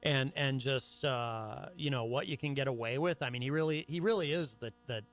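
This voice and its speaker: A man in a casual radio political chat, agreeing often and adding quick asides. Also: mid-range voice, fairly bright tone. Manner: agreeable, frequent backchannel.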